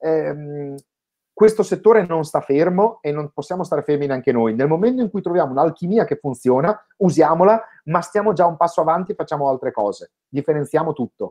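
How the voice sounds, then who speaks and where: A man with a fairly high pitch speaks at a fairly quick pace. His intonation is lively, and the background is quiet. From Ferrara, northern Italy; northern Italy. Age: 40s. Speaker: social media consultant; guest. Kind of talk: casual interview. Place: home room. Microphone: video call.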